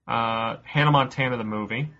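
A man hosting a casual podcast quiz, reading out questions slowly, cursing offhandedly and laughing often. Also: mid-range voice, bright, forceful tone, dull audio. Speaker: quiz host.

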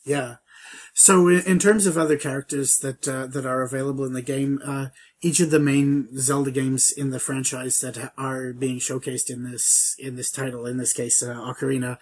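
A man's voice: medium pitch, level tone, slightly rough. A man co-hosting a podcast, chatting casually about a video game with hesitant restarts. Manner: hesitant, many restarts, measured. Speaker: podcast co-host.

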